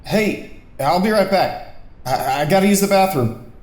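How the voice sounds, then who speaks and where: A man playing an awkward, dry-witted young character in an audio drama, speaking in a hesitant, deadpan way. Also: high voice, a little slow, reverberant. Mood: flustered. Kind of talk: naturalistic audio drama dialogue.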